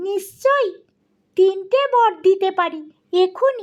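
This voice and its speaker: A woman puts on a character voice at an extremely high pitch. It sounds squeaky. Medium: read story. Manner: soft, earnest.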